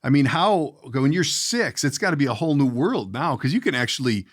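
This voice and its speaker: Mid-pitched man hosting a casual podcast interview. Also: big pitch swings, brisk. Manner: folksy, rambling questions. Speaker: podcast host, voice actor.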